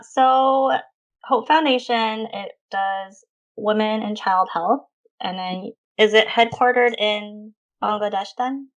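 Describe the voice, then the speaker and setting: A woman's voice: mid-range voice, slow pace, muffled recording. A young woman co-hosting a health podcast, asking questions in an upbeat, encouraging way. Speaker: podcast co-host. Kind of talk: podcast interview.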